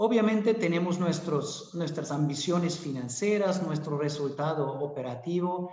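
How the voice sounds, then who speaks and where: With a German accent, a man speaks at a high pitch and a fairly slow pace, his intonation lively, with audible room echo. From Germany. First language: German (speaking Spanish). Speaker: corporate executive. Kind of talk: conference keynote. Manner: frequent fillers and hesitations.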